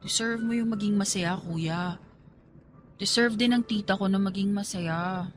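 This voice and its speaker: A woman's voice: mid-range voice, unhurried, background noise, natural voice. A woman playing a loyal young niece who pleads earnestly in a radio romance drama. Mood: gently pleading. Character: pleading, loyal young niece defending her heartbroken aunt.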